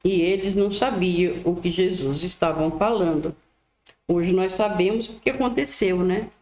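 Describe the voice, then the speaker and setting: A woman reading the Bible aloud in a gentle, devout way, adding her own commentary and a prayer. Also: on the low side, moderate pace. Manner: gentle, devout, often adds "né". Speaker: Bible reader. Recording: echoey room.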